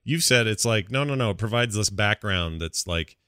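Bright-voiced man, casual and close to the mic. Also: on the low side, animated, normal speed, clean tone, dry recording. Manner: enthusiastic, slangy, rambling. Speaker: podcast host. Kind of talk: casual gaming podcast chat.

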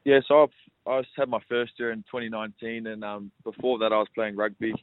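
Young Australian male athlete, brisk and monotone, phoned in over a tinny line. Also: on the low side, dry recording. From Sydney, Australia. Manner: relaxed, repeats words, says mate often. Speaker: rugby league player. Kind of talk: phone interview.

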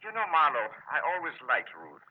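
A man's voice: fairly high pitch, huge pitch swings, normal speed. A man acting a rueful, let-down American client, speaking conversationally in a 1940s radio detective drama. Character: rueful male radio broadcaster, betrayed client. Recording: muffled, hissy vintage radio recording.

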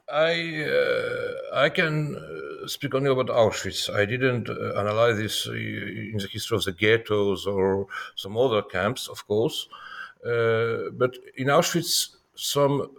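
A man with a Polish accent, a non-native English speaker, giving scholarly interview answers haltingly as he searches for words. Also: medium pitch, creaky. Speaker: historian and author being interviewed.

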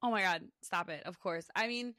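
A young woman in her twenties hosting a casual podcast chat, rambling with plenty of fillers and quick laughs. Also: lowish voice, sharp tone, no echo. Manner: chatty, lots of fillers and laughs. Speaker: podcast host.

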